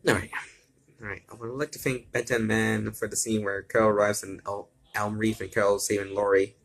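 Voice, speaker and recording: A man's voice: fairly low pitch, level tone, a little fast, gravelly, rough recording. A man reading fan fiction aloud with casual asides, often stumbling over words and repeating himself.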